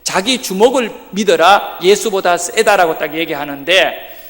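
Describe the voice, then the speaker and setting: A male preacher tells a story from his own youth in a vivid, animated way, acting out what the other people in it said. His voice sits high for a man. The sound rings out in a large church hall with a long reverb tail. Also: moderate pace. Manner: lively storyteller who acts out quoted speech. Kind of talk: sermon testimony storytelling.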